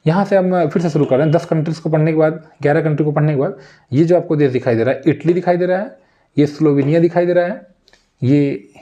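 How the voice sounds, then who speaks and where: A man's voice: fairly high pitch, steady tone, fast, mellow, highs cut off. A man with a Hindi accent teaching an exam-prep geography lesson on a map, drilling country names again and again and speaking straight to his viewers.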